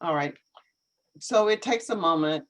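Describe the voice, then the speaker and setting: A woman hosting a live online English lesson, speaking carefully and encouragingly with clear articulation. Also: lowish voice, measured pace, a bit bright.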